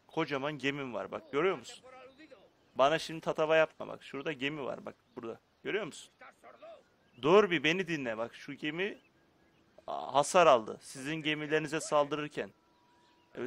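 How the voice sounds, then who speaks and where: A man with a slightly high voice gives casual commentary over a video game, bantering with the characters in mock outrage. He drops to mutters, then bursts out loudly, with faint game music under him. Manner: playful, talks to game characters in mock indignation; swings between muttering and loud outbursts. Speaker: gaming YouTuber.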